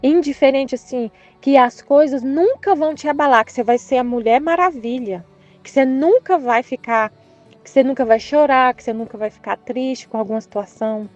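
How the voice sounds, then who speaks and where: A woman's voice: high-pitched, brisk. A woman with a Brazilian Portuguese accent sharing a personal spiritual reflection, earnest and rambling, often restarting and hesitating. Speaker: Catholic channel presenter. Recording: dull lo-fi sound with soft background music.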